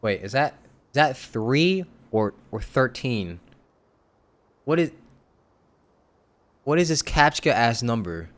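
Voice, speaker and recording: A man's voice: medium pitch, expressive, slow, pauses often, a bit bright. A young man giving casual, informal live commentary as he streams a game, reacting aloud.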